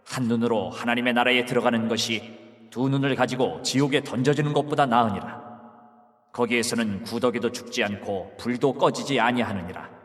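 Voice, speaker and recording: A man voicing Jesus as a calm, authoritative teacher in a dramatized Bible reading, speaking in a measured, solemn way. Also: mid-range voice, long reverb tail, natural voice. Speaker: voice actor.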